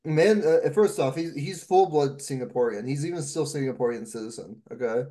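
A man's voice: mid-range voice, fairly quick, dark tone. A man co-hosting a casual podcast, rambling and swearing as he tells a story, laughing often. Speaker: podcast co-host.

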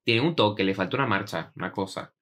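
Deep-voiced man bantering. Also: animated, fast talker, a bit bright. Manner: joking, slangy banter. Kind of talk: casual chat.

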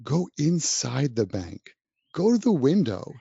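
A man's voice: mid-range voice, big pitch swings, measured pace, creaky, dark tone, slightly rough, dry recording. Encouraging man, dull dry recording. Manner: encouraging, speaks directly to the listener. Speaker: English teacher giving advice. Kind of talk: conversational podcast advice. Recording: dull, dry, slightly lo-fi sound.

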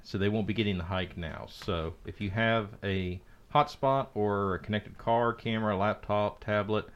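Low-voiced man, sarcastic podcast co-host. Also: moderate pace, highs cut off. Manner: sarcastic, joking. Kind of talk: casual tech news chat.

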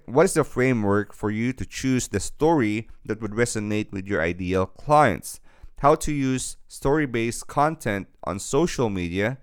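A man hosts a podcast with an upbeat, emphatic pitch. His somewhat low voice comes across smooth and resonant, recorded dry and close with no room sound. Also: no room sound. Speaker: podcast host. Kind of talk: promotional podcast intro and interview.

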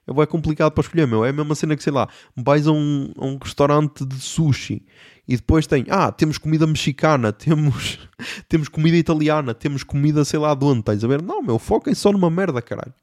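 A man's voice: on the high side, brisk, a little mellow, no room sound, clean studio sound. A young man with a European Portuguese accent, telling a comic story as a podcast host in a slangy, exasperated way and swearing often. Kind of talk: comedic storytelling monologue.

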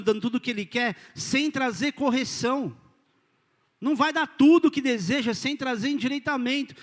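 A high-voiced male pastor with a Brazilian Portuguese accent delivers a sermon in a reverberant hall. He's informal and direct, calling listeners "cara" and "querido," and he gets animated, swinging between loud and quiet.

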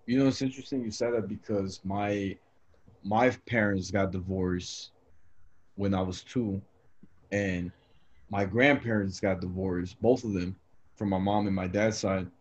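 A man hosting a casual chat, talking in a relaxed, slangy way and telling stories. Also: on the low side, a little slow. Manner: slangy and laid-back, full of "bro" and "you know what I'm saying". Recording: lo-fi, slightly dull sound.

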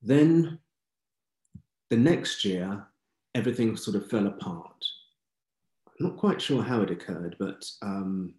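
Low-voiced, well-spoken older Englishman. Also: a little mellow, echoey room. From England. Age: 60s. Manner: measured, candid, matter-of-fact. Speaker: interview guest. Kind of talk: reflective life-story telling.

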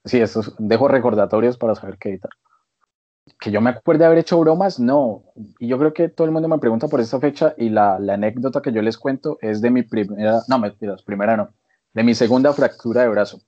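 A young Colombian man with a Colombian accent, a podcast co-host telling a casual story with lively quoted voices. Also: medium pitch, quick pace, highs cut off. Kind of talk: casual chat.

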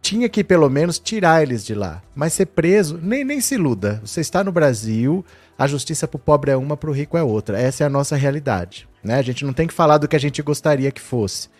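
A man's voice: fairly high pitch, expressive, a little fast, a little mellow, no echo, faint music behind. A middle-aged man hosting a casual live-stream commentary, indignant and talking straight to viewers.

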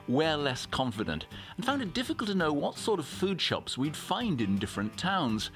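A man with an English accent, narrating a hiking podcast in a measured, conversational way. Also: medium pitch, fairly bright tone. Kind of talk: documentary narration and travel diary.

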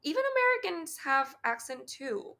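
A woman with a Canadian accent and heavy vocal fry, co-hosting a casual podcast chat with long pauses. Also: sits high, sharp tone. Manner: long pauses, candid and swearing. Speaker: podcast co-host.

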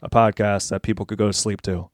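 A man's voice: on the low side, flat delivery, quick pace, dry recording, studio quality. A young man co-hosting a podcast, easygoing and playful in casual chat. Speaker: podcast co-host.

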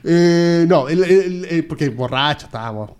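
A young Chilean man with a fairly high voice tells stories at a podcast table. He talks in lively, slangy bursts and keeps slipping into playful mock voices. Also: measured pace, smooth. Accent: Chilean Spanish. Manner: animated storyteller, slangy, jumps into mock English voices. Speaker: podcast co-host. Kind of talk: casual chat.

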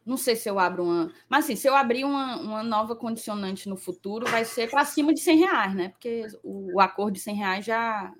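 A woman's voice: a little high, a little fast, few pauses, slight background noise. A woman co-hosting a live sports stream, chatty and playful, reading viewer comments aloud. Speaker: podcast co-host. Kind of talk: casual live-stream chat.

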